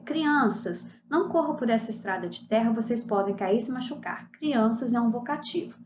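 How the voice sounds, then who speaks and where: A woman teaching a video lesson, correcting exercises step by step and asking her class questions. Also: a little high. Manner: explains step by step, asks the class rhetorical questions. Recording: roomy, slightly dull, faint noise.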